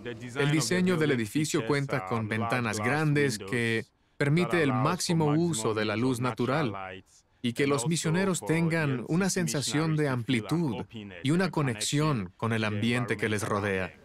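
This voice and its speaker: A man's voice: mid-range voice, animated, measured pace. Reverent man in an interview, crowd behind. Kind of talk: interview remarks.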